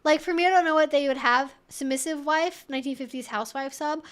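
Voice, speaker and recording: A woman's voice: high-pitched, quick pace. A woman hosting a live Q&A stream, thinking aloud in an informal, chatty, wry and opinionated way.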